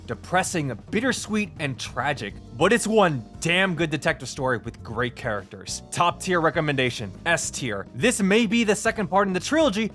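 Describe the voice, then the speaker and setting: Male reviewer, slightly high register, highly varied intonation, emphatic scripted narration. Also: a bit bright. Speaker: video reviewer, host.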